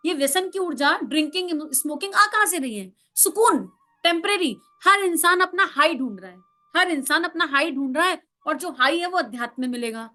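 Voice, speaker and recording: A woman's voice: sits high, pushed and bright. A woman counsellor giving a spiritual talk, emphatic and full of rhetorical questions, now and then acting out family members.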